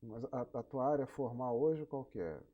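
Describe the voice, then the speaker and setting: A man's voice: mid-range voice, normal speed, highs cut off. A man with a Brazilian accent interviewing, asking short follow-up questions. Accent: Brazilian Portuguese. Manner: brief prompts and follow-up questions. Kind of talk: oral history interview.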